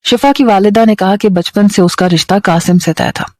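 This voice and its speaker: A woman storyteller with a Pakistani Urdu accent reading a dramatic story in a steady, emotive way. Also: medium pitch, no echo.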